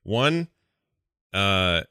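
A man's voice: deep voice, sing-song, drawn-out words, pushed and bright, clear, resonant tone, dry recording, clean studio sound. An American man chatting casually as co-host of a gaming podcast. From United States.

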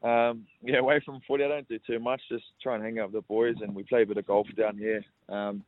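A young Australian man, a rugby league player from Sydney, answers interview questions by phone in a relaxed way, often repeating words and saying mate. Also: on the low side, quick pace, no room sound. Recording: tinny phone line.

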